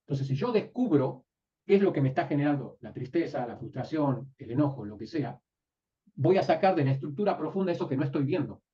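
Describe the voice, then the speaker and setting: A man teaching a live class, often pausing to ask his students whether they follow. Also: a little high, animated, mellow. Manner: asks the class frequent checking questions. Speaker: NLP teacher. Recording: distant, dull lo-fi room recording.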